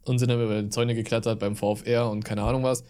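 A man's voice: medium pitch, level tone, rapid-fire, dark tone, smooth. A man from the Aachen area co-hosting a podcast, telling stories in a rambling, filler-heavy way. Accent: Aachen German. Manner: rambling storyteller, many fillers. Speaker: podcast co-host. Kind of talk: casual chat.

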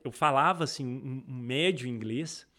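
This Brazilian entrepreneur speaks with a Brazilian Portuguese accent as a guest in a relaxed interview. His voice sits at medium pitch and moves at a moderate pace. He rambles through animated stories, often restarting his sentences.

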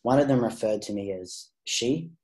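A man's voice: mid-range voice, moderate pace, a little mellow. A man sharing his personal story as a podcast guest, speaking thoughtfully with frequent restarts and fillers. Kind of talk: candid personal interview.

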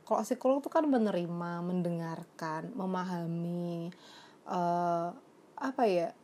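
Her voice fairly low, warm and measured, a young psychologist reflects casually in a confessional vlog, peppering her talk with fillers and English phrases. There is a little hiss or hum in the audio.

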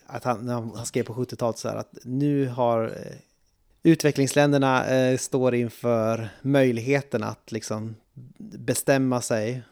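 A man co-hosting a podcast in a casual reflective discussion, measured and thoughtful, often trailing off softly. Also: medium pitch, fairly even intonation, no room sound, studio quality. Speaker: podcast co-host.

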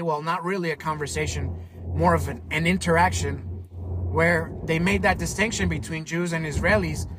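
A man's voice: high voice, noisy background. A man born in Colombia and raised in America, hosting a solo Christian podcast, speaking earnestly with repeated emphatic phrases. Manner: earnest, repetitive preacherly emphasis. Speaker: podcast host.

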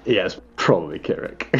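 A man's voice: on the high side, a bit bright. A man chatting in a laid-back way with fellow tabletop players, often trailing off. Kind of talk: casual chat on a stream.

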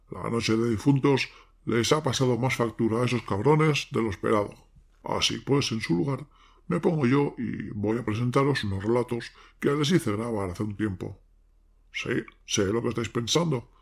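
Male actor as crypt-keeper, sardonic horror presenter, gravelly, rough-edged, gleefully wicked, cackling manner. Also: mid-range voice. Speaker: host presenting horror tales. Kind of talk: theatrical horror anthology introduction.

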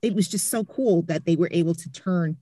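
A woman hosting a casual chat, relaxed and curious, asking follow-up questions and sharing her own story. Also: lowish voice, brisk, husky. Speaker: podcast host.

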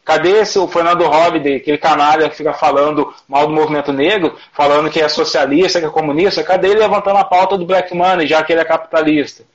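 A man's voice: on the high side, steady tone, quick pace, few pauses. A man with a Brazilian Portuguese accent, speaking passionately in a conversational discussion, restarting his phrases. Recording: dull lo-fi audio.

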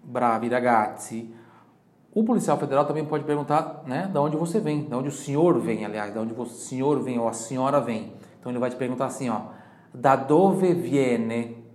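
A man with a Brazilian Portuguese accent teaching Italian, saying phrases slowly and loudly for repetition, then chatting quickly between drills. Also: mid-range voice, reverberant. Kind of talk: language lesson.

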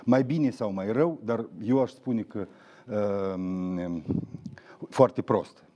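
A man's voice: fairly low pitch, mellow, dull audio. A man arguing as a guest on a studio political debate, combative, numbering his points with frequent fillers. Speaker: talk show guest, former deputy.

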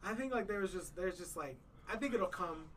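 A man's voice: high voice, expressive, a little fast, distant mic, slight background noise. A man hosting a podcast in casual chat, laid-back and rambling, filling his talk with "man" and "you know". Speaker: podcast host.

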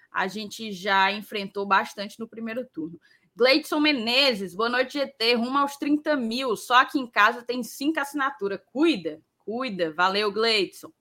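Bright-voiced Brazilian Northeastern woman with slight lisp. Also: on the high side. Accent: Brazilian Northeastern, Ceará. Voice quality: slight lisp, tongue-tied s sounds. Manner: informal, repeats phrases for emphasis. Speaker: host. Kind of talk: casual live chat, reading viewer messages.

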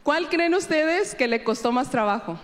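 A woman preaching to a congregation, telling stories in an animated way and asking the audience questions. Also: high voice, normal speed, long reverb tail. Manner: animated storyteller, addresses audience. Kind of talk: church talk.

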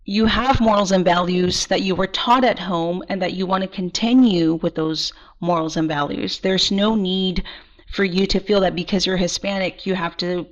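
A woman from Texas, answering interview questions in an earnest, emphatic way and repeating words as she restarts. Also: medium pitch. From Texas, USA. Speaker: guest, party regional director. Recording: slightly muffled audio.

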